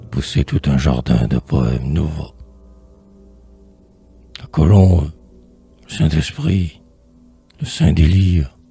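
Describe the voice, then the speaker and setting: A man's voice: very deep voice, creaky, dark tone, slightly rough. A man reciting poetry in a solemn, theatrical manner, drawing out phrases and at times sinking toward a whisper. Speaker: poetry reader.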